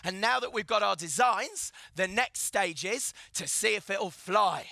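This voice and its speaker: A man presenting a live children's science show with an excitable, theatrical manner, urging the audience to cheer. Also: high voice, unhurried, vocal fry, dry recording. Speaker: stage presenter. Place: live event hall with an audience. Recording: music playing behind.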